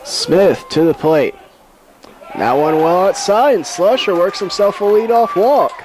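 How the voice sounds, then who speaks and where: A man's voice: high-pitched, expressive, unhurried. A man calling live baseball play-by-play as a sports commentator. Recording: outdoor ballpark background noise.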